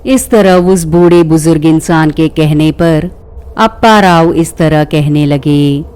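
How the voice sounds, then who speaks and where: Slow, crisp horror storyteller. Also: medium pitch, a little mellow. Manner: dramatic, repeats phrases for effect. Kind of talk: scripted horror story narration.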